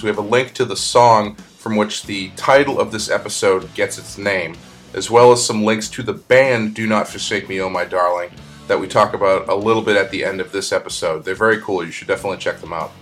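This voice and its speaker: Brief: male podcast host, lowish voice, easygoing rambling delivery, studio mic. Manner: relaxed, rambling with fillers. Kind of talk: casual podcast chat. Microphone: studio microphone.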